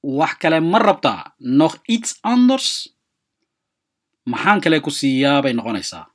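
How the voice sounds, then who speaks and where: Language teacher, talks fast then says each phrase slow and high, pitch jumps all over. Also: big pitch swings. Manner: explains quickly, then repeats example phrases slowly and higher. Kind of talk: radio-style language lesson.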